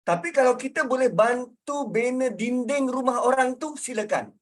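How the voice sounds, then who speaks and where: Speaking at a normal speed in an extremely high, expressive voice, this man delivers a religious lecture in a conversational style. He has a Malaysian Malay accent. As a religious teacher, he unpacks word meanings using examples from daily life.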